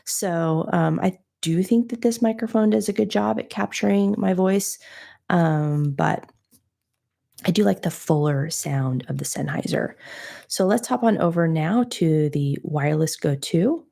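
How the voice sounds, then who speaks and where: A soft-spoken woman in her home studio, explaining her audio setup in a conversational, explanatory way. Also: on the low side, measured pace, gravelly. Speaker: audio gear reviewer. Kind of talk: livestream gear demo. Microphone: changing between studio mics.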